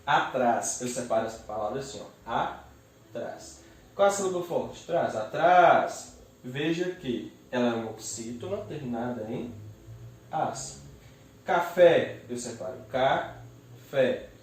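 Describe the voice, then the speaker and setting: A man teaching a grammar lesson, explaining step by step and slowly splitting words into syllables. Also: medium pitch, animated, recorded from a distance. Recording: echoey room, voice away from the mic.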